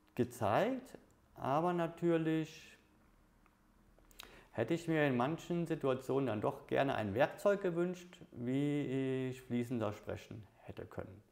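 With long, frequent pauses, a man speaks very slowly in a fairly high voice. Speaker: chairman of a stuttering self-help association. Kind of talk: interview answer. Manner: stutters. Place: office. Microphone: lapel.

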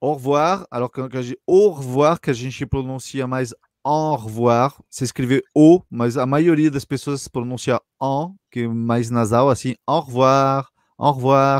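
In a French accent, a man speaks at a fairly slow pace with fairly even intonation. The sound is dry with no echo over a quiet background. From France. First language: French (speaking Portuguese). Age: 30s. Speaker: French teacher. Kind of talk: casual chat. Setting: livestream. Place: home room. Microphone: webcam.

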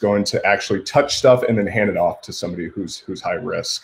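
A man with a fairly low pitch talks at a fairly quick pace in an ordinary speaking voice, with light background noise. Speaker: guest. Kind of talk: interview answer. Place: home room. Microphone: video call.

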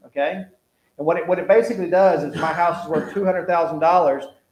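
At a fairly quick pace, a man speaks in a high pitch against audible room echo. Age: 50s. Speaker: chief appraiser; presenter. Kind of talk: public presentation. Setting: community center workshop with live audience. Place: classroom. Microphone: camera far.

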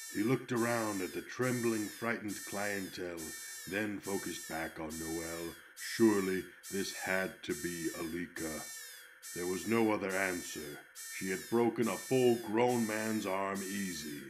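A man puts on a character voice with a playful, sinister tone, at a fairly low pitch and a moderate pace. Clear background noise can be heard. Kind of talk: horror host narration. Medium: audio drama. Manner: playful, sinister, punning.

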